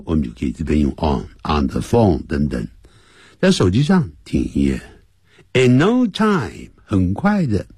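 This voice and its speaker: A man teaching English on a radio lesson. He explains in Chinese and repeats the English phrases slowly, in a playful manner. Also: deep voice, darkish tone, slightly rough, dry recording, studio quality. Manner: playful, mimics sounds. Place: radio studio.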